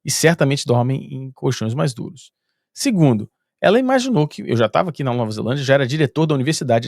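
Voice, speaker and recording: Middle-aged Brazilian professor, chatty storyteller, gravelly tone, dry recording. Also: male voice, fairly high pitch, no room sound. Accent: Brazilian Portuguese. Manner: chatty, with a frequent "né". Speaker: university professor, vlogger. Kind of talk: casual storytelling monologue.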